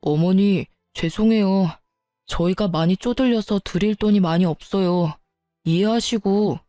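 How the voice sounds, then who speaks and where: A defensive young husband who argues back and dodges blame, voiced by a woman narrator. The tone is mellow and the sound is close and dry. Faint music plays underneath. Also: medium pitch, a little slow, dry recording, close to an everyday voice. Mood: pleading. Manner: defensive, argumentative.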